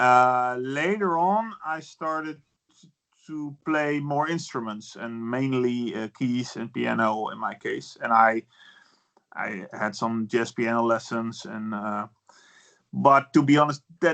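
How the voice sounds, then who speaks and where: Delivery is very slow, with big swings in loudness. The speaker talks in a Dutch accent. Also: man, medium pitch for a man, ordinary pitch variation. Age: 40s. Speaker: musician. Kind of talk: casual interview. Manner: halting.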